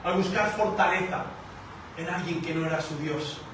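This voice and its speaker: A man preaching a sermon as pastor, theatrical and animated, with sound effects and acted-out voices. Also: high voice, moderate pace. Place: church hall. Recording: echoey hall from far off, faint noise.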